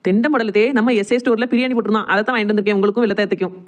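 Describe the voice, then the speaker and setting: Woman acting a fast-talking cheeky young daughter-in-law. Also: medium pitch, fairly even intonation, lightly acted. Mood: coaxing. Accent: southern Tamil Nadu. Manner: teasing, mock-innocent. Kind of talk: cartoon comedy drama dialogue.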